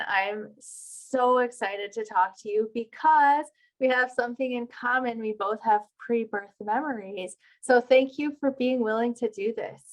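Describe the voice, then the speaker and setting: A woman's voice: fairly high pitch, rough recording. A woman hosting an interview podcast, talking in an effusive, emphatic and enthusiastic way. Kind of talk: enthusiastic interview and channel introduction.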